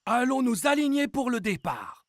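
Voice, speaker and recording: A man's voice: extremely high pitch, big pitch swings, moderate pace. A man voicing a playful, kindly old grandfather in a dubbed children's cartoon. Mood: kindly, encouraging.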